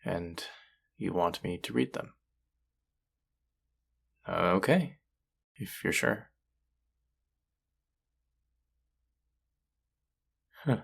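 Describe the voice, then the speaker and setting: A young male chef played by a man in an intimate audio drama, combative and exasperated yet earnest underneath. His voice is deep and heavy with gravelly fry. He speaks slowly, with halting, emotive pauses. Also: animated, fairly bright tone, heavily acted. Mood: hesitant, curious. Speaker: voice actor in audio roleplay.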